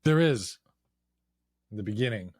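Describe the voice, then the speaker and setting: A man co-hosting a casual podcast, joking dryly with quick asides. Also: on the low side, expressive, darkish tone, no room sound, clean studio sound. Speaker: podcast co-host. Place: small room in front of a green screen.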